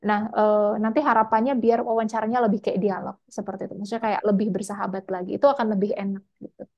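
A woman's voice: mid-range voice, little pitch movement, fast, dull audio. A woman scholarship mentor giving casual, chatty feedback after a mock interview over a video call. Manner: casual, chatty, frequent tag words.

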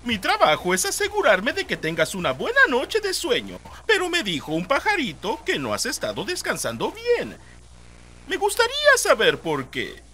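A man with a Latin American Spanish accent voicing an eerie, coaxing sleep fairy creature in a sing-song, cloyingly friendly way for an animated horror short. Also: extremely high pitch, moderate pace, a little hiss or hum, pitched above the performer's own voice, heavily acted. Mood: sweetly friendly.

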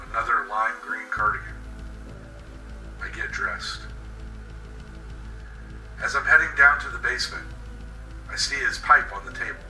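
A man reading a scripted first-person horror story in a deliberate, intense, dramatic way. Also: on the low side, bright, forceful tone, far from the mic. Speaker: writer reading his own horror story. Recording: roomy echo, off-mic, faint music bed. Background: faint music.

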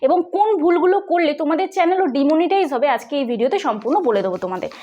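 The recording is muffled, and the woman's high, dark-toned voice races with lively intonation. She hosts a tech channel with a West Bengal accent, chatting through a casual tutorial and regularly checking in with listeners.

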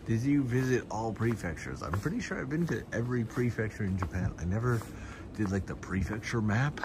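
A man hosting a casual walking livestream outdoors, answering viewer questions in a relaxed, chatty way. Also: lowish voice, a little fast. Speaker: vlogger and livestream host. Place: outdoors on city streets. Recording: street noise behind the voice. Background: street ambience and passing vehicles.

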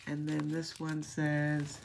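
Woman, craft vlogger, unhurried, low voice, tender and emotional, casual unboxing chat. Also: monotone, vocal fry, darkish tone, slight background noise. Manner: gushing and tender, often drops to a whisper. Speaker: craft channel host.

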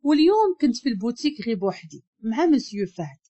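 Moroccan woman narrating her story, swooping lively pitch, warm dark tone. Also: fast, lo-fi sound. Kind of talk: first-person story narration.

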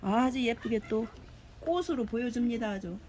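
A woman giving a cheerful live sales pitch for succulent plants, gushing and exclaiming over each one and chatting aloud to herself. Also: expressive, normal speed, darkish tone. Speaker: succulent seller.

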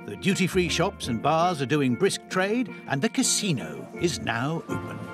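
A man narrating a documentary in a measured, storytelling voice. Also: fairly high pitch, big pitch swings. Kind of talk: scripted narration. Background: music.

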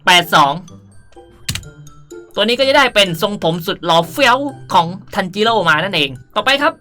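Lively, bright-voiced woman, playful game host. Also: medium pitch. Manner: playful, chatty, polite. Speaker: gaming video host. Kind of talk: casual game tutorial commentary.

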